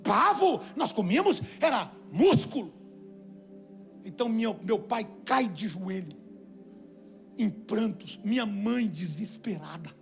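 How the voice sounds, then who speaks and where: A man preaches from a church stage and tells a story. His voice sits very high for a man and has a gravelly edge. He acts out the people in the story as he goes. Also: slow, soft background music. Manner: animated storyteller, acts out shouted quotes. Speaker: pastor. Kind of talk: sermon storytelling.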